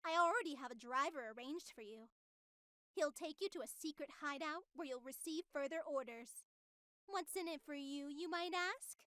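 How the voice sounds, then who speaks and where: A female superintelligence from a visual novel, sinister and coolly menacing. The voice is high and very dry, with grandiose, theatrical delivery and a polite edge to every threat. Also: moderate pace, fairly bright tone, dry recording. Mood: grandiose menace. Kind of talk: scripted visual novel voice acting.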